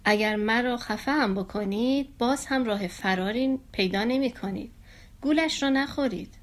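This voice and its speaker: A woman's voice: on the high side, natural voice. A woman voicing a brave, defiant little black fish in a storybook reading. The fish speaks firmly and scolds the others. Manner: firm, scolding.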